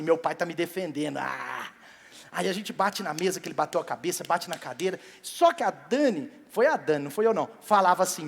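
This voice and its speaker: A male pastor preaching a sermon with a Brazilian accent, swinging from loud emphatic peaks to soft quiet lines, in a church hall. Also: high-pitched. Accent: Brazilian Portuguese. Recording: long church hall reverb.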